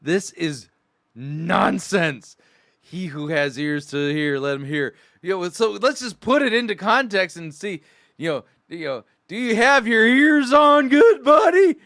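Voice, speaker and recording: A man's voice: high-pitched, expressive, a little slow, a bit bright, no echo, clean studio sound. A middle-aged man giving mocking, sarcastic commentary as a critic, often acting out mock quotes. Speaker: host of a sermon critique show. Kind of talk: mocking commentary on played sermon clips.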